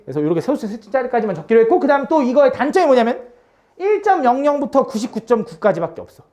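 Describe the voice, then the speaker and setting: A woman's voice: high voice, darkish tone. A woman teaching a math class, coaxing and teasing her students with constant check-in questions.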